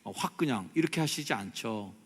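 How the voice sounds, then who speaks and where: A middle-aged male pastor preaching a sermon, swinging between loud, animated exclamations and soft, prayerful passages. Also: mid-range voice, fairly quick, husky. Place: church sanctuary. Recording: long church hall reverb.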